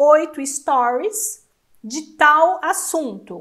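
Over a quiet background, a woman with a high pitch talks in an animated tone. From Brazil. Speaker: online sales instructor for artisans. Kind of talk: online class. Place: home room. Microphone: lapel.

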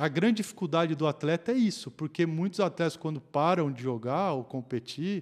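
Lively intonation marks this man's speech. He talks at a moderate pace against a quiet background. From Brazil. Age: 40s. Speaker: former professional tennis player; guest. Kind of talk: casual chat. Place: studio. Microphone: studio mic.

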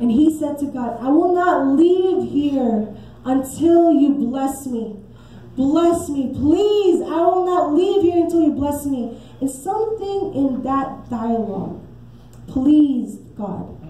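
A woman's high-pitched voice at a very slow pace, with audible room echo. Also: lively intonation. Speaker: preacher. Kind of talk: sermon. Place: church.

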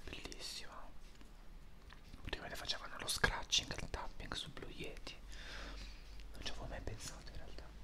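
A man whispering at a fairly quick pace, with long, frequent pauses. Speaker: ASMR creator. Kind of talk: ASMR whispering, casual talk to camera. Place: kitchen. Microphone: lapel.

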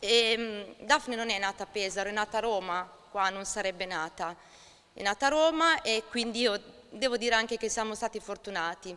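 A woman's bright, sharp tone rises and falls with ordinary pitch variation. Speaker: mother of a sick child. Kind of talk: testimony. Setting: stage with audience. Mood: emotional, earnest. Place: hall. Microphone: podium.

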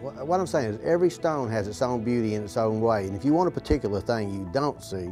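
Clear music plays behind a man who talks fairly quickly at a fairly low pitch with lively intonation. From Southern United States. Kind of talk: local TV infomercial. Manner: casual, conversational. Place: shop.

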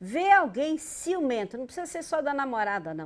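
Her pitch high, a woman speaks with very wide swings up and down. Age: 60s. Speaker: psychoanalysis teacher. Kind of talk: online live Q&A class. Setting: live online chat. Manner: conversational, explanatory. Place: home room. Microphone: lapel.

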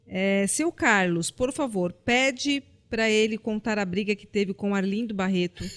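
Her pitch varies in an ordinary way as this woman talks at a moderate pace. The background is quiet. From Brazil. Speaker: podcast co-host. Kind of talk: casual chat. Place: studio. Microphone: studio mic.

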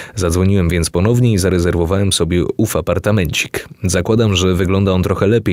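Noticeable background noise sits behind a man with a very deep, low pitch who talks at a fairly quick pace with ordinary pitch variation. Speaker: YouTuber. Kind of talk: reading aloud.

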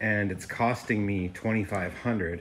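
A man's normal speaking voice, fairly low in pitch with fairly even intonation, over light background noise. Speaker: reseller store owner. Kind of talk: casual vlog chat. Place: shop. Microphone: phone near.

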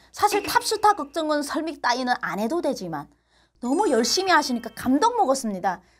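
Music plays behind a woman speaking at a high pitch. Her pace is fairly quick, with very wide pitch swings. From North Korea. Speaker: YouTuber, North Korean defector. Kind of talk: casual film review monologue.

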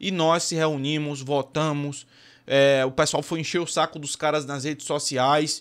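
Against a quiet background, a man speaks in an animated tone at a fairly slow pace. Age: 20s. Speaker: YouTuber; deals youtuber. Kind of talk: casual vlog commentary. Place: home room.

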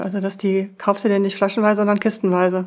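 A woman is speaking. Her pace is moderate. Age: 50s. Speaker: flight attendant and coach; coach. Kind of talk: personal testimony interview. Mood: reflective, calm, personal. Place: studio. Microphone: lapel.

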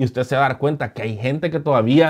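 The voice is male. His pitch rises and falls in an ordinary way. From El Salvador. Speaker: YouTube political commentator. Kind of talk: casual commentary video. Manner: hesitant, many fillers. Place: home room. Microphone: lapel.

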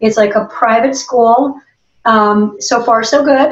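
A somewhat breathy woman's voice with audible room echo. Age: 40s. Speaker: magazine editor; guest. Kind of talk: interview. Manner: animated. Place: home room. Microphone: video call.

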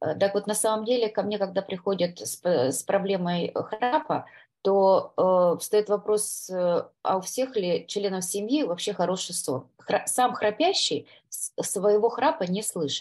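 Very slow speech from a woman at medium pitch, lively in intonation. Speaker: neurologist and sleep doctor. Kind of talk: webinar lecture; course promotion. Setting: live stream with slides. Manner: hesitant, many fillers.

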